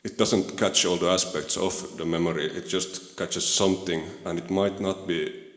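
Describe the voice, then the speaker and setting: Swedish-native man, very low voice, halting question, echoey hall. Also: steady tone. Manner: hesitant, searching for words, many fillers. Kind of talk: panel discussion.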